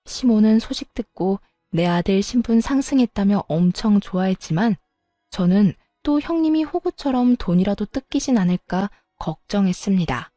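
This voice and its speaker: A woman tells a scripted family story in a wry, gossipy tone. Her voice is warm and mellow, recorded dry and close, with faint music behind. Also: medium pitch, lively intonation, moderate pace, no room sound. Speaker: narrator.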